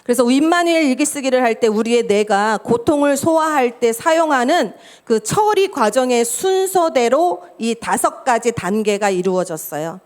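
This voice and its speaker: Woman pastor, middle-aged, preaching with a high, very animated voice and frequent laughter. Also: normal speed, hardly any pauses. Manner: lively, laughs often, acts out quoted dialogue. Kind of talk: sermon.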